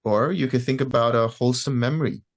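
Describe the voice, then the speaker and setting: A man giving guided meditation instructions as a teacher, speaking gently and unhurriedly with pauses between short phrases. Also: mid-range voice, creaky, no room sound, studio quality.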